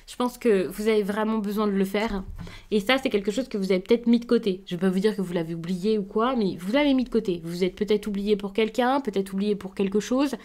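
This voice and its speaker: Woman, tarot reader, soft reassuring delivery, hesitant fillers, mid-pitched. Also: fast talker. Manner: gentle, reassuring, with frequent hesitations. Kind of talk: casual tarot reading to camera.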